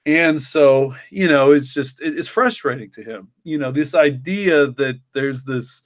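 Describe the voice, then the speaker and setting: Male co-creator in relaxed podcast conversation: halting, rambling delivery, mid-range voice, close dry sound. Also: medium pitch, dry recording. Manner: halting, rambling, repeats words. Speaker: co-creator and writer discussing his story. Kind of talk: casual chat.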